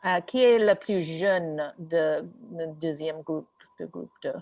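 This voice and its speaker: A woman's voice: deep voice, slow pace, muffled recording, slight background noise. A woman teaching an online French class over a video call, mixing French and English as she encourages her students.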